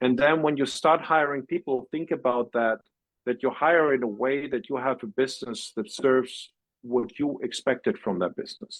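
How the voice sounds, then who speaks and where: At a moderate pace and medium pitch, a man with a German accent speaks with ordinary pitch variation, the sound dry and close with no echo. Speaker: real estate investor. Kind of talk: Q&A on a video call.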